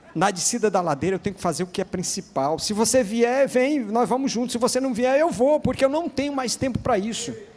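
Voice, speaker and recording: The speech moves at a fairly quick pace with lively intonation and hardly any pauses, over noticeable background noise. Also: man, extremely high pitch for a man. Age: 60s. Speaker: pastor. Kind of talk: sermon.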